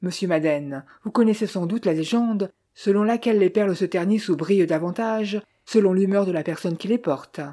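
A woman's voice: mid-range voice, fairly quick, few pauses, warm tone, close to an everyday voice. A woman reading the lines of a courteous young man, a jeweler's son, in an audiobook.

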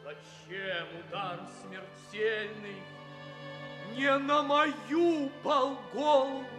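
A grieving companion in an old radio stage drama, wailing a lament. The voice is very high and extremely slow, ringing in an echoey hall. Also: male voice, fairly even intonation, music in the background, exaggerated voice. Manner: wailing, drawn-out. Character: grief-stricken male companion mourning his executed prince. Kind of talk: theatrical lament, 1960s radio stage play.

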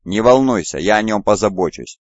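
A low-voiced man reads an arrogant, battle-scarred warrior in an audiobook, all mocking self-assurance. The voice sits deep and close, with a dry, slightly muffled sound. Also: animated, a little fast, no room sound, natural voice. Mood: smug. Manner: smug, taunting.

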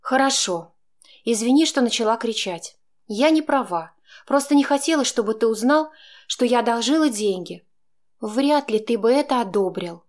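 A woman reader voicing a young woman who bristles and argues heatedly with her partner, in a much higher voice than her own. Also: animated, a little mellow, natural voice. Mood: pleading. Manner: indignant, quick to flare up.

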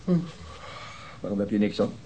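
A noisy old radio drama recording of an actor as a male police detective with a fairly low voice. He is weary and cynical, speaking with a dry, sarcastic gloom. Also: lively intonation, normal speed, close to an everyday voice. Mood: tired, irritable. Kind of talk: naturalistic radio drama acting.

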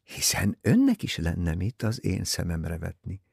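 A man voicing a shy, gentle young woman in an audiobook, with a soft, timid delivery. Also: sits low, huge pitch swings, vocal fry, slightly rough, no room sound, studio quality, heavily acted.

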